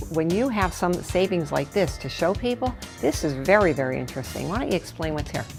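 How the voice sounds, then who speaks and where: Against music in the background, a woman with a fairly low pitch speaks at a fairly quick pace, her pitch swinging very widely. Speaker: local TV host. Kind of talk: infomercial interview host.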